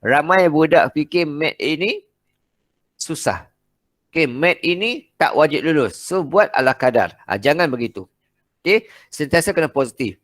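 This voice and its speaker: A man's voice: fairly high pitch, animated, normal speed, fairly bright tone, dry recording. A man with a Malaysian Malay accent, a maths teacher giving a casual seminar talk, blunt and direct, acting out exchanges with students and often saying "okey".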